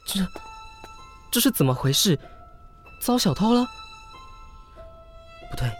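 A man's voice: high-pitched, takes it slowly, over music, full character voice. A man with a Taiwanese Mandarin accent acting a jilted, sarcastic, hot-tempered gay lover in a modern radio drama. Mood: bewildered. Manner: expressive, swearing, muttering to himself.

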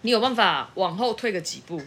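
A woman's voice: medium pitch, expressive, fairly quick, fairly bright tone. A middle-aged woman chatting casually, reflective and earnest as she shares advice. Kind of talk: casual chat.

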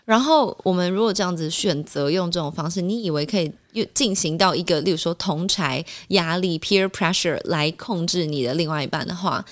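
Brief: woman podcast host, lively storyteller who acts out quotes. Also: lowish voice, a little fast, few pauses. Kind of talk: casual chat.

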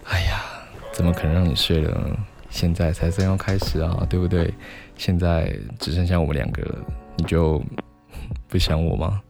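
A man's voice: sits low, little pitch movement, normal speed, vocal fry, darkish tone, soft background music. A man playing a confident, flirtatious gay man in a radio drama, teasing and coaxing suggestively. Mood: intimate, suggestive. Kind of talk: improvised-feel romantic radio drama acting.

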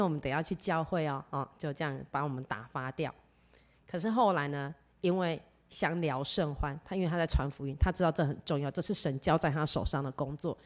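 Woman, low voice, telling her faith story, earnest, does the voices of people in it. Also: darkish tone. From Taiwan. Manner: earnest storytelling, acts out quoted dialogue. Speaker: church member giving testimony. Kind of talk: personal testimony.

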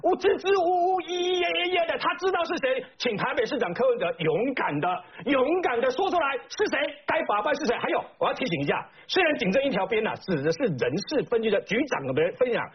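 A political commentator, a man with a Taiwanese Mandarin accent and an extremely high-pitched voice, offers indignant talk show commentary heavy on emphatic rhetorical questions. The slightly dull broadcast audio carries a little hiss or hum.

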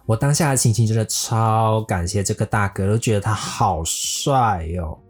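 A man telling a scripted personal story in a lively way, dropping English words into his sentences. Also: fairly low pitch, moderate pace, husky. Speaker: storyteller recounting a motorbike trip. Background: faint guitar music.

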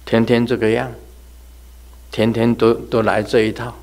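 At a level tone and a slightly slow pace, a man with a medium-pitched, a little mellow voice preaches through comic ghost stories. As a religious teacher he keeps it chatty, laughing and making sound imitations.

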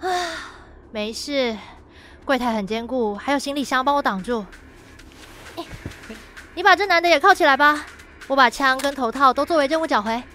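A woman acting a bright, high-voiced rookie cop. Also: faint music behind. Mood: brisk. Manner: brisk, commanding, official. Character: hot-blooded young rookie female police detective. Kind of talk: Mandarin radio drama acting.

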